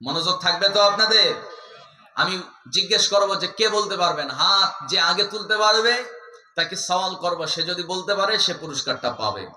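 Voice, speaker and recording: A young man with a Bangladeshi Bengali accent preaching a sermon, telling a story fervently and swinging between loud cries and hushed tones. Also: sits high, moderate pace, roomy sound, poor audio. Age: young adult.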